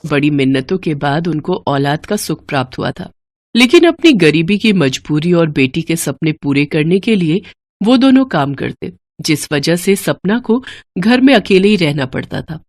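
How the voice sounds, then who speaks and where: A woman's voice: sits low, big pitch swings, normal speed, darkish tone, dry recording. Woman storyteller with dry, close sound. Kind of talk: scripted story narration.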